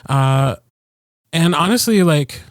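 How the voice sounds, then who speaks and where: A man's voice: a little high, animated, takes it slowly, dry recording. Man, American accent, podcast co-host, casual storytelling, wry and informal, dry close recording. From Wisconsin, United States. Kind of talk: casual chat, personal storytelling.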